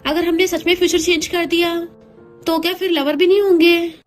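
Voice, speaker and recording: A woman voicing a quick-tempered young woman, flustered and defensive toward the husband she treats as an old enemy. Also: extremely high pitch, little pitch movement, soft background music.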